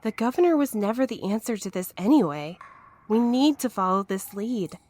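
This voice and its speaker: A woman's voice: a little high, lively intonation, moderate pace, darkish tone. A woman playing a determined, curious investigator in an audio drama, speaking with a purposeful, questioning manner.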